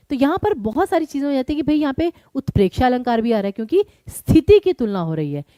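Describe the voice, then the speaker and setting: A woman teaching an online exam-prep lesson, quizzing her students and explaining each answer briskly. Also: on the high side, mellow, no room sound, clean studio sound.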